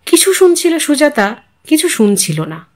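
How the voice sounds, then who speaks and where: A woman with a fairly high voice narrates literary fiction. She reads from a script with expression, as the host of an audio story program. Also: very animated, measured pace.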